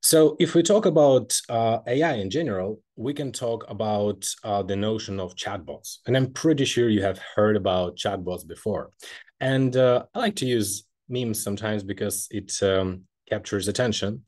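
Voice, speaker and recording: A man's voice: lowish voice, normal speed, a little mellow. Hesitant young man presenting a webinar. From Kazakhstan. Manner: hesitant, frequent ums and uhs. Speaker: webinar presenter, postdoctoral researcher. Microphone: laptop mic on video call.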